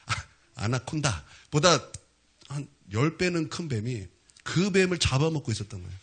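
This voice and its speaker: A man's voice: on the high side, very animated, moderate pace, slightly rough. A man preaching a sermon as pastor, telling a story vividly and with animation.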